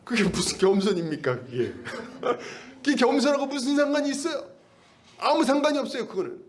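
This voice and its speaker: A man's voice: extremely high pitch, very animated, moderate pace. A pastor preaching a sermon in a conversational way, asking his congregation questions and acting out little bits of dialogue.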